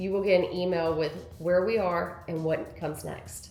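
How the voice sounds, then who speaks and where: A woman speaks in a room with audible echo. Music plays in the background. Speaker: mortgage lender. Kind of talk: interview explanation.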